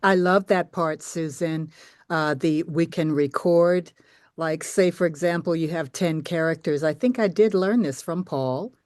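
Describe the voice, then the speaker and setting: A woman's voice: low voice, a little slow, a little mellow, dry recording, studio quality. A woman joining a voice-over training, agreeable and loose with her fillers.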